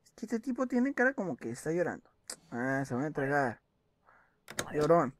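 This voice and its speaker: Brief: young man, gameplay commentary, mutters and reads documents aloud, fairly high voice. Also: sing-song, brisk, slight background noise. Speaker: gaming video host.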